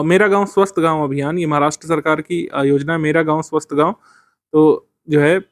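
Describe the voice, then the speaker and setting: A man's voice: fairly high pitch, no echo, studio quality. A man teaching current affairs for a civil services exam, explaining step by step with frequent fillers.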